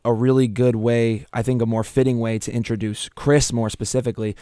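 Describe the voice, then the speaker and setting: A young man hosting a casual sports talk show, his voice croaky and raw from shouting, talking energetically with frequent restarts. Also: mid-range voice, fairly quick, no room sound, studio quality. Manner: energetic, talks through his points with restarts. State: hoarse, croaky voice. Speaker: podcast host.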